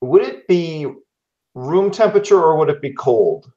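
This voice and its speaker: A man's voice: a little high, sing-song, normal speed, dark tone. A man chatting casually on a podcast with a wry, teasing manner, on dull audio. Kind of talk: casual chat.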